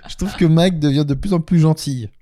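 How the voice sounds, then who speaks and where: A man's voice: fairly high pitch, brisk, dark tone, no room sound. A man co-hosting a couple's show in casual chat, playful and talking straight to his listeners. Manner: playful, addresses the audience directly.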